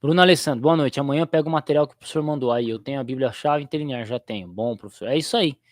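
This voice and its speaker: A man's voice: medium pitch, very fast, no echo, studio quality. A young Brazilian man who teaches theology, chatting casually on his livestream in a rambling, slangy way and laughing easily.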